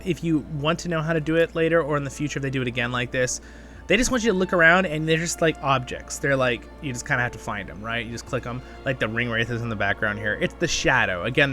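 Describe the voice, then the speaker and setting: A man's voice: mid-range voice, bright, forceful tone. A man hosting a gaming channel, giving a casual, rambling gameplay guide and chatting to viewers as friends. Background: game background music.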